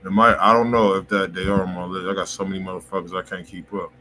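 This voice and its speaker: A man's voice: sits low, level tone, fast talker, pushed and bright, a little hiss or hum. A man hosting a music review livestream in casual, slangy talk, swearing freely and repeating himself.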